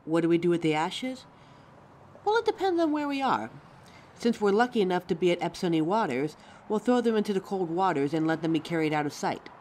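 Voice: medium pitch, animated, fairly quick, a little mellow, slight background noise, natural voice. A performer playing a caring, anxious young werewolf partner in a roleplay audio drama, tender and fussing, stammering when flustered. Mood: warm, explaining.

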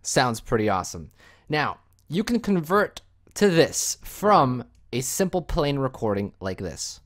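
Male tutorial host, medium pitch, casual and instructional, walking viewers through software one step at a time. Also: sing-song, a little slow.

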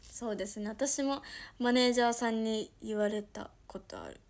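A young woman from Toyama with a Toyama dialect, chatting casually on her livestream and reacting to viewer comments, dropping to soft murmurs and then bursting out brightly. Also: a little high, moderate pace. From Toyama, Japan. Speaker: idol livestream host.

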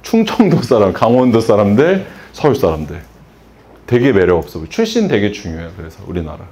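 A man's voice: on the low side, huge pitch swings, brisk, dark tone, a little hiss or hum. A middle-aged man giving a salon business workshop, asking the audience questions and acting out exchanges with customers. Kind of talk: workshop lecture.

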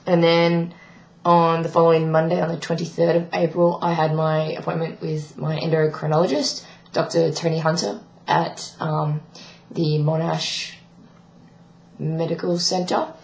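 A young trans man with a croaky, breaking voice, giving a rambling video diary update with many ums. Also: a little high, completely flat delivery, a little slow, reverberant. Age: young adult. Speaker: vlogger. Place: small bedroom indoors. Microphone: webcam at desk.

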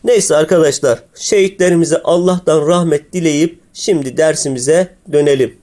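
Man playing a mellow, curious cartoon school teacher. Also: on the high side, moderate pace, close to an everyday voice. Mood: teaching. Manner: addresses pupils fondly, asks leading questions. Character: kindly, curious school teacher, easily amazed. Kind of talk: scripted comic cartoon dialogue.

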